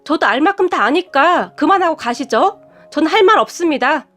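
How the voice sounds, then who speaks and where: A woman's voice: sits high, animated, normal speed. A woman reading an indignant young wife. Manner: sharp, retorting. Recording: faint music behind.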